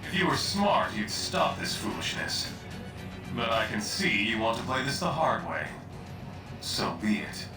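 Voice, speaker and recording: A man's voice: mid-range voice, sing-song, a little slow. Pissed off menacing lawman in a game, scornful, swingy delivery, sounds far off w music. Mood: stern, threatening. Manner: stern, scornful, threatening. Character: irritated, menacing male government enforcer. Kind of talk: game cutscene confrontation. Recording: echoey, distant, with clear music behind.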